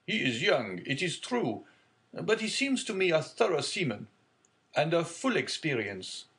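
A man's voice: on the high side, big pitch swings, a little slow, fairly bright tone, voice pushed up, exaggerated voice. A man voicing a genial, fatherly middle-aged shipowner.

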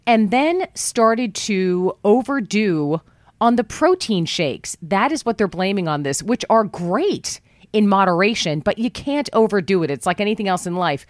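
A woman's voice: medium pitch, animated, unhurried, no room sound, clean studio sound. Chatty woman talk radio host. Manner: chatty, upbeat, folksy frugal tips. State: voice worn low from travel. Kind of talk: talk radio monologue with live ad reads. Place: radio studio. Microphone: studio microphone.

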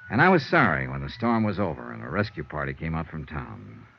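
An actor playing a tough but tender private investigator who narrates a 1950s radio drama in a steady, reassuring way. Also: male voice, extremely low pitch, brisk, gravelly, heavily acted. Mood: narrating. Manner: steady, reassuring, hushed when comforting. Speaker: narrator and lead. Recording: dull old radio broadcast, faint hiss.

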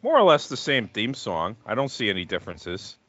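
A man's voice: on the low side, huge pitch swings, fairly quick, fairly bright tone, lo-fi sound, faint music behind. A man co-hosting a podcast, rambling and joking in casual chat with restarts. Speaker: podcast co-host. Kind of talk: casual chat about wrestling.

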